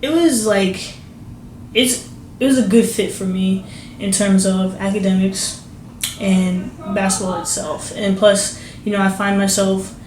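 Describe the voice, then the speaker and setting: A young woman from New Jersey talks through an interview, full of fillers and false starts. Her voice has a middle pitch. It carries some room echo with a faint hiss underneath. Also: steady tone, unhurried, darkish tone. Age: young adult. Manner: rambling, many fillers and restarts. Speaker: basketball recruit. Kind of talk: casual interview.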